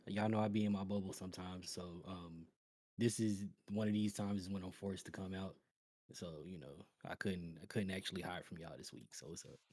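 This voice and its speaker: Deep-voiced man in casual chat. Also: steady tone, normal speed, darkish tone. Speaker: panelist.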